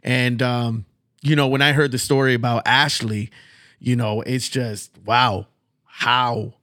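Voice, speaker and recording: Podcast interviewer, male, American, average pitch. Informal, supportive, casual chat, dry sound. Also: fairly even intonation, slow pace, bright, forceful tone, no room sound.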